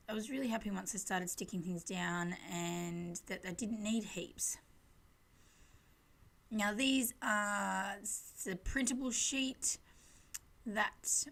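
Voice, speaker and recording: With a medium pitch, vocal fry and a fairly bright tone, a woman hosts a craft channel, rambling through a relaxed scrapbooking voice-over. She talks in a chatty, self-deprecating way.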